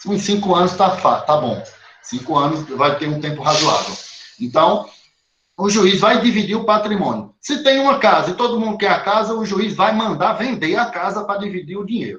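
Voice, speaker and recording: Over audible room echo, a man speaks at a high pitch and a moderate pace with lively intonation. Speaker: law professor. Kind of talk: lecture. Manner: halting, repeats words.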